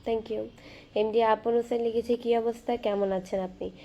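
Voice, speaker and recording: A young woman hosting a casual live stream from her phone, reading viewer comments aloud and chatting back in a soft, quiet voice. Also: fairly high pitch, fairly even intonation. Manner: soft-spoken, talking quietly and slowly. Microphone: phone camera.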